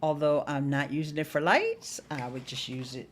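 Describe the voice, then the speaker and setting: Speaking at a moderate pace in a low-sitting, animated voice, a middle-aged woman plays host to her livestream viewers. She's folksy and playful, stressing words for emphasis as she chats. A nearby desktop microphone in her small indoor home studio picks up slight background noise.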